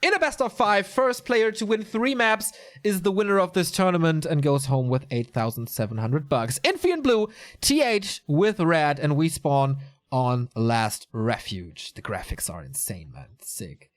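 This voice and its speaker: A man's voice: fairly high pitch, expressive, unhurried. A man giving casual solo commentary on a live strategy game tournament, chatty and answering viewer chat as he goes. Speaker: esports commentator.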